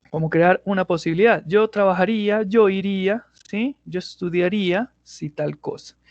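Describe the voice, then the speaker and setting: A man's voice: high voice, gravelly, no room sound, lo-fi sound. A male English teacher explaining grammar in an online class, patiently going step by step and often checking in with his students.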